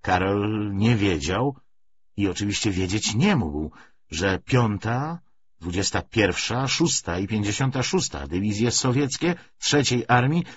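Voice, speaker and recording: A man reading a novel aloud as an audiobook narrator, in a dramatic, expressive manner. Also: on the low side, a little slow, breathy edge, dull audio. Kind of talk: scripted literary narration of a novel.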